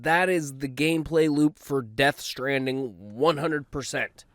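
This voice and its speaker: Wry man with a smooth, dry voice. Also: medium pitch, measured pace, fairly bright tone, dry recording. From United States. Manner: wry, joking. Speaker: podcast co-host. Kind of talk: casual gaming chat.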